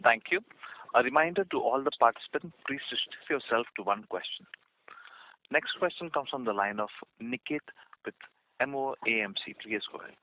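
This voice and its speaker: A man's voice: mid-range voice, expressive, a little fast. A man making formal announcements as the operator of a conference call. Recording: tinny phone line with faint noise.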